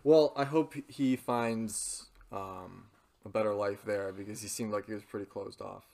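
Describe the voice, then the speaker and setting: A man's voice: on the low side, fairly even intonation, unhurried, creaky, a little mellow. A young man co-hosting a casual podcast among friends, laughing often. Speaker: podcast co-host.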